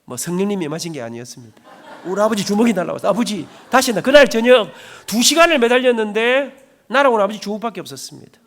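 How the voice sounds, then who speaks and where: Brief: middle-aged church elder telling an emotional testimony; high, quick voice. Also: male voice, expressive, a bit bright. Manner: dramatic storytelling, emotional. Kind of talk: sermon testimony.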